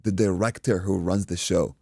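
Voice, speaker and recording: Gravelly low-voiced man telling a story. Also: normal speed, dry recording, clean studio sound. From Iraq. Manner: animated, acts out quotes, swears freely. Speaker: guest, boxing coach. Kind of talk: casual storytelling.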